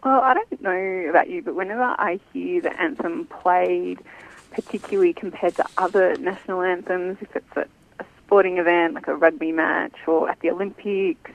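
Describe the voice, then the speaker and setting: A woman's voice: on the low side, fairly even intonation, moderate pace, creaky. A woman, a journalist speaking as a guest in a phone interview, chatty and thoughtful with fillers. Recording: tinny phone line.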